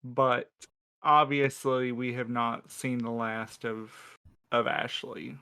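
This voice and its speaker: A man in a casual podcast Q&A, answering in a measured, dryly humorous, slightly mock-formal way. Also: medium pitch, steady tone, pushed and bright, smooth. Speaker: podcast crew member answering questions.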